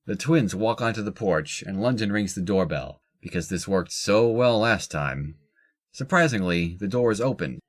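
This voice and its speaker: Casting: low-voiced narrator for scripted audio fiction, telling the action between lines. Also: expressive, normal speed.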